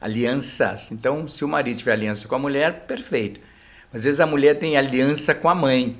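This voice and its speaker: A man's voice: medium pitch, brisk, a bit bright. A middle-aged man with a Brazilian Portuguese accent, a couples therapist guest explaining things in a casual podcast chat, often tagging phrases with a filler. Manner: explanatory, many filler tags at phrase ends.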